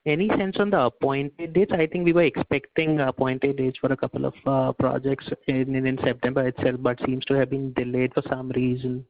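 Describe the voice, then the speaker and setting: Analyst, monotone, courteous, tinny phone audio. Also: male voice, mid-range voice, brisk, few pauses. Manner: polite, hedging with "I mean". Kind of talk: earnings call question.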